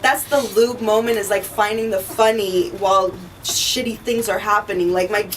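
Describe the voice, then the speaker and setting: A woman's voice: mid-range voice, fairly even intonation, normal speed. A woman comedian from Pasadena chatting casually as a guest, loose and profane, laughing easily. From Pasadena, California. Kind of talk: casual chat. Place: garage studio with live audience. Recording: noisy room mic from a distance.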